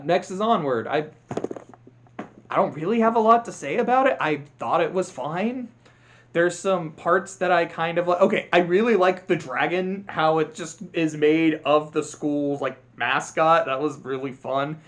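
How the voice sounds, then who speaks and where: A man with a slightly high voice talking through his opinions in a loose, rambling monologue. He restarts sentences and corrects himself as he goes, with a candid, offhand delivery. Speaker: vlogger. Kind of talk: casual movie review monologue.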